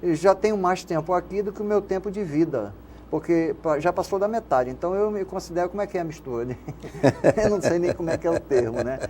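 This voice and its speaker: A man's voice: high-pitched, fast, mellow. An older man from Rio de Janeiro with a Carioca accent, a guest in an interview, talking reflectively and rambling, often tagging his sentences with a questioning word. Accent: Carioca Brazilian Portuguese. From Rio de Janeiro, Brazil. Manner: reflective, rambling with frequent "né?" tags. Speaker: guest, radio station manager and poet. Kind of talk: casual interview conversation. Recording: faint background noise.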